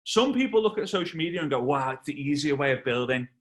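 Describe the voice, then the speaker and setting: A man from England in his thirties, a network marketing trainer telling a lively story on a video call and acting out the voices. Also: on the high side, quick pace. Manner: animated storyteller, acts out voices and shouts.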